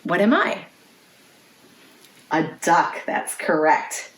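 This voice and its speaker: A woman with a slightly low voice leads a storytime for young children. She phrases things clearly and invites listeners to answer questions as she reads. The recording is roomy, with noticeable echo around her voice. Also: animated, very slow, a bit bright. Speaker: children's librarian, storytime host. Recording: roomy, echoey indoor sound.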